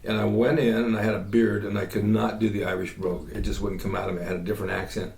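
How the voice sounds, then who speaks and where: A man as an interview guest, telling rapid, joking anecdotes about his acting jobs. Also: on the low side, flat delivery, creaky, darkish tone. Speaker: guest, former actor and bodybuilder. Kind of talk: casual interview chat. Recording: echoey room with faint background hum.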